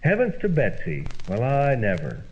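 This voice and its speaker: A man playing a long-suffering, sceptical flatmate in an old-time radio comedy, with dry sarcasm. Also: mid-range voice, normal speed. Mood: sarcastic. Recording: slightly dull lo-fi radio with faint noise.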